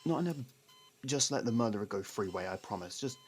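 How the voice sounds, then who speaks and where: A man acting a sarcastic, scolding criminal partner who hides his worry, in an ASMR roleplay with halting pauses. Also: fairly low pitch, expressive, husky. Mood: hesitant, gentle. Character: gruff, sarcastic criminal partner, secretly worried.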